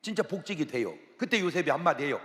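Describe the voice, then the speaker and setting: Animated Korean pastor in a reverberant church. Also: male voice, a little high, fast talker. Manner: humorous, animated storytelling with acted-out quotes. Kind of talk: sermon. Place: large church sanctuary. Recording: long reverb of a large church hall.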